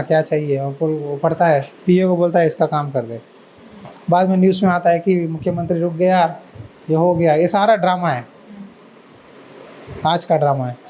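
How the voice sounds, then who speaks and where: High-voiced male pastor preaching. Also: mellow, slight background noise, low-quality recording. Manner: storytelling, acts out voices of people in the story; asks the listeners questions and answers them. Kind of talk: sermon.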